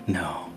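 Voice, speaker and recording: A man playing a tabletop game, telling an ominous story in character with a slow, dramatic delivery. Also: medium pitch, a little mellow. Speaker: player.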